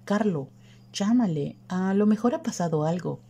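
An impatient older woman in a spoken audiobook, as a woman reader puts her on. She talks higher than the narration around her, with a raised, pressing urgency. The voice stays dark and mellow underneath. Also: animated, moderate pace, slightly rough.

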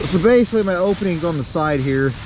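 A man's voice: fairly high pitch, expressive, fast. Chatty man filming in windy woods. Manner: chatty, laughs often, exclaims at the cold. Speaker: outdoor vlogger. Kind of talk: casual outdoor vlog. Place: snowy woods at night, by a plastic shelter. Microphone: camera mic, wind noise. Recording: windy outdoor camera audio.

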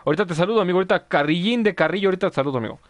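A man's voice: sits high, expressive, very fast. A man commenting live on his gameplay, chatting with viewers and yelping at mishaps. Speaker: gaming streamer.

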